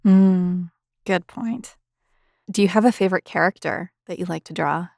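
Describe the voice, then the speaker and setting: A woman's voice: lowish voice, moderate pace, gravelly, a little mellow, no echo, clean studio sound. A woman conducting a casual interview as the interviewer, asking questions and chatting about the work. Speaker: interviewer, voice actor.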